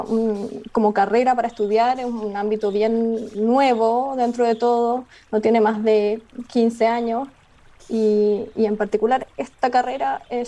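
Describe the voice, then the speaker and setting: A young Chilean woman, a biologist, answering interview questions in a thoughtful, halting way with many fillers and restarts. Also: a little high, mellow. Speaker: biologist guest. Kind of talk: radio interview conversation.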